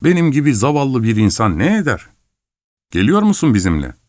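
A man's voice: medium pitch, huge pitch swings, fairly quick, a little mellow, dry recording, studio quality, pitched above the performer's own voice. A man voicing a strong male camp worker who complains in a plaintive, self-pitying way in an audiobook. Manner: plaintive, whiny. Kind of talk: audiobook character voice.

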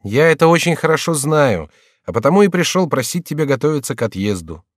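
A man voicing a rash young nobleman with a sardonic, brisk manner, in an audiobook reading. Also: on the high side, sing-song, no echo, studio quality, voice pushed up. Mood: wry.

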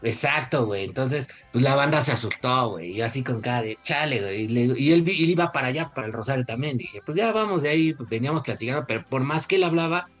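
A man's voice: medium pitch, animated, fast talker, hardly any pauses, a bit bright. A man with a Mexico City accent and a mid-range voice tells a street anecdote in loose banter. He fills nearly every phrase with slang, and faint music runs underneath. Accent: Mexico City Spanish. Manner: slangy, says güey constantly. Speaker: radio show co-host. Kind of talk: casual storytelling among friends.

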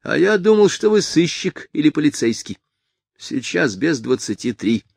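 A male audiobook reader voicing a tense, haughty middle-aged scientist with a shrill voice that rises to falsetto. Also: very animated, moderate pace, vocal fry, a little mellow, no echo, studio quality, exaggerated voice. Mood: indignant. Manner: indignant and haughty, then pleading.

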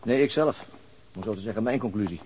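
Guy acting a tired older cop in a radio play, lowish voice, gruff but fatherly, bit noisy recording. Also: fast, a little mellow, lightly acted. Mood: sober, businesslike. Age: middle-aged. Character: weary veteran police detective, gruff but fatherly. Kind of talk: naturalistic radio drama acting.

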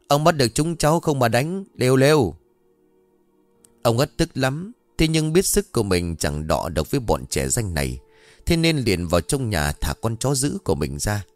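A man narrating a scripted ghost story in an expressive storytelling manner. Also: mid-range voice, no echo. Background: faint background music.

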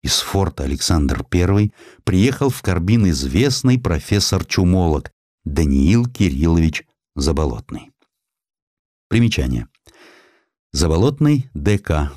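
A man narrating a historical story as an audiobook, in a measured, expressive, solemn and dramatic manner. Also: deep voice, no room sound, clean studio sound. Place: dry studio.

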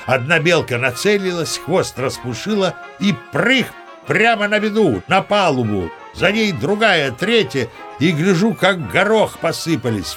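A man's voice: sits high, a bit bright, exaggerated voice. An actor playing a seasoned, boastful old sea captain who tells his yarns in a chatty, emphatic, theatrical way. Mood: animated, boastful. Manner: chatty, folksy, self-assured, emphatic. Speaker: narrator. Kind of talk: theatrical first-person storytelling, audio play.

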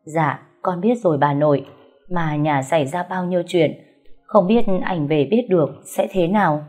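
A woman reader voicing a gentle, caring young woman who speaks politely to her family. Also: sits low, moderate pace, faint music behind.

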